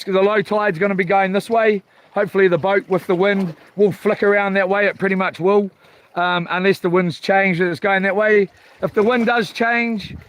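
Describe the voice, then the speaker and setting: A man's voice: sits high, a bit bright, clean tone. A man with a broad New Zealand accent chats casually on a live vlog, rambling and hesitant, with slangy informal phrasing. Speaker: fishing livestream host. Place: outdoors on a small boat at sea. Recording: faint outdoor water and boat noise.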